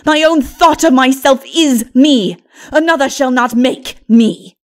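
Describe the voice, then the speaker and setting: A woman voicing a proud, tyrannical princess in a dark fantasy audiobook, with a forceful, haughty delivery. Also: high-pitched, measured pace. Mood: proud, possessive. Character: defiant proud wicked princess, tyrannical and unrepentant.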